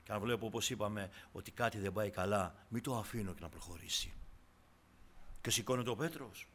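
A man preaching a sermon to his congregation, impassioned, dropping to hushed tones and then rising to loud, fervent exclamations. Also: lowish voice, a little hiss or hum.

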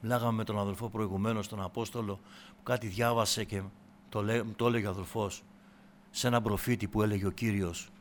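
A middle-aged man preaching a sermon with fervour, calling out to his brothers, rising to shouts and dropping to a hush. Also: on the low side, steady tone, slight background noise. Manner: fervent, repeats "brothers", rises to shouts then drops to a hush.

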